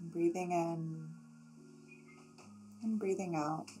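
Faint music plays behind a woman. Her voice sits fairly low, with fairly even intonation. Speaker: meditation guide. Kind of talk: guided meditation. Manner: slow, soft-spoken. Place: home room. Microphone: webcam.

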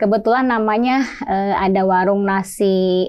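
A woman speaks at a fairly slow pace. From Indonesia, Purwakarta (West Java); West Java, Indonesia. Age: 50. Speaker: pharmacist and lecturer, political candidate; lecturer, candidate. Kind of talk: podcast interview. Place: studio.

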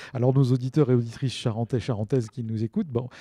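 Set against a quiet background with dry sound and no echo, a man speaks at a medium pitch in a dark, mellow tone with ordinary pitch variation. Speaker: radio host. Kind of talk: live radio show with audience. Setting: village hall with audience, live. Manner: formal, warm. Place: hall. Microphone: handheld.

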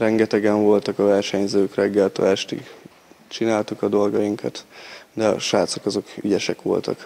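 At a fairly slow pace, a man speaks at a fairly low pitch with monotone, flat intonation and very even loudness. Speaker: referee and coach. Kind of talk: casual interview statement. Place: gym. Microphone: handheld.

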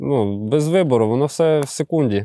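Dark and mellow in tone, the voice moves at a fairly slow pace with lively intonation, recorded with a dry, close sound and no echo. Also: man. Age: 20s. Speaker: soldier. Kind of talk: interview testimony. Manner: halting.

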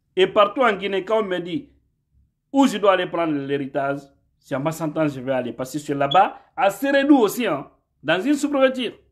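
Against a quiet background, a man with a high voice speaks at a moderate pace, his pitch swinging very widely, with long, frequent pauses. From Guinea. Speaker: online political commentator; political commentator. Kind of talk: live stream monologue. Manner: animated. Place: home room. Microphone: phone near.

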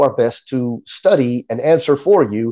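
Over a quiet background, a man speaks with lively intonation and a dark, mellow tone. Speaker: Bible Q&A host. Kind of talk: livestream host announcement. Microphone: earbuds.

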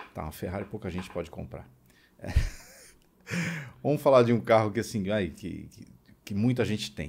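Speaking at a moderate pace in a fairly low voice, a man uses lively intonation, big swings in loudness, and long, frequent pauses. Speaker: trumpet player and teacher; podcast guest. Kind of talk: interview; interview answer. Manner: moderate volume, conversational. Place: studio. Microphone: studio mic.

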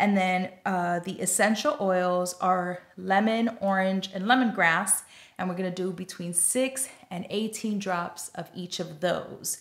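Over a quiet background, a woman talks at a very slow pace with fairly even intonation. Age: 40s. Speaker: lifestyle and sewing YouTuber. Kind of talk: tutorial. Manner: casual, conversational with frequent fillers. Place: home room. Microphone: phone near.

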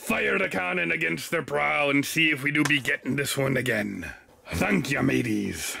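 Put-on character voice, raspy throughout. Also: man, medium pitch for a man, moderate pace. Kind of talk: fireworks product demo. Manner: playful, hammy.

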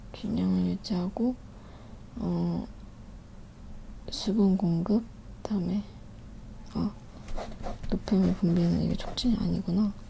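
Soft-spoken and very slow, the voice comes with long, frequent pauses over light background noise. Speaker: student studying for certification exam. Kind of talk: ASMR whispered study reading. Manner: murmuring to self while studying, repeating phrases. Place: home room. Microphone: phone near.

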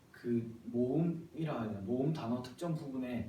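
This man talks at a medium pitch with a somewhat breathy sound. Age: 20s. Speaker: office worker who stutters. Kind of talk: interview answer.

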